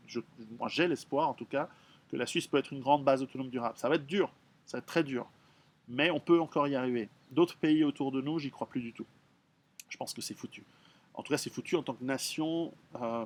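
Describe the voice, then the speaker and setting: A middle-aged man, an author talking through his readers' questions in a frank, blunt way, with many halts and restarts. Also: medium pitch. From Switzerland. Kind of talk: casual spoken monologue.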